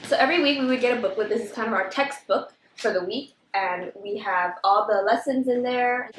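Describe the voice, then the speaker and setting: A woman's voice: fairly high pitch, a little hiss or hum. Bubbly chatty young woman, echoey room. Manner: bubbly, chatty, says "like" often. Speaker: vlogger. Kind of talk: casual eating vlog chat.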